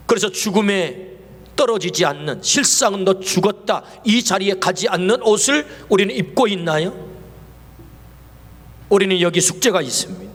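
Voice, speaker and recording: A man preaching a sermon as pastor, asking the congregation questions and moving between quiet and raised passages. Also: high voice. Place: church sanctuary. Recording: church sanctuary with long reverb.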